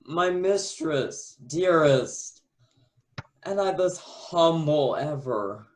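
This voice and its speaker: A man's voice: fairly high pitch, expressive, very slow. A man playing a humble, devoted young prince in love, declaiming courtly verse in a Shakespearean radio play. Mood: ardent.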